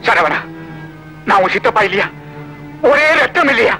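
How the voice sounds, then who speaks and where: An actor playing a cowering middle-aged villain uncle who pleads for his life in a high, strained voice, from an old film soundtrack with music behind. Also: animated, normal speed, gravelly, sharp tone, heavily acted. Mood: begging.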